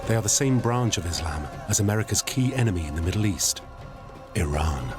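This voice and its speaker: Male documentary narrator, low register, measured and serious in his scripted read. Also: lively intonation, music in the background.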